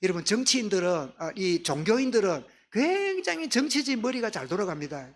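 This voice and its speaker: A man's voice: sits high, very animated, a little fast. A male pastor with a Gyeongsang accent preaching a sermon, often asking the congregation questions and answering them himself. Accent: Gyeongsang dialect.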